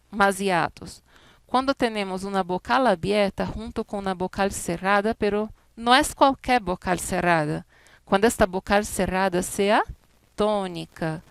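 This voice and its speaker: A woman's voice: medium pitch, gravelly, no echo. A woman teaching a Spanish class, explaining grammar step by step and reading out example words and sentences, speaking.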